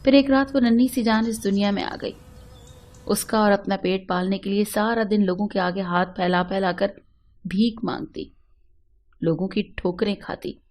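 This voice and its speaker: Female storyteller, mid pitch, earnest emotional first-person narration. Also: fairly even intonation, moderate pace, darkish tone.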